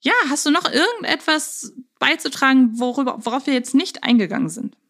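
High-voiced woman chatting as podcast co-host. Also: expressive, fairly quick, a bit bright. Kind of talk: casual podcast discussion.

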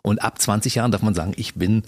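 Male radio host, low voice, husky, chatty and enthusiastic, interviewing a guest in the studio. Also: quick pace, no echo. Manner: chatty and enthusiastic, often laughing. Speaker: radio talk show host.

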